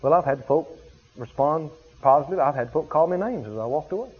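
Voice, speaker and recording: A male pastor preaches with emphatic repetition. His voice is high and husky. The recording sounds dull and lo-fi. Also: expressive, fairly quick. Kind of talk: sermon.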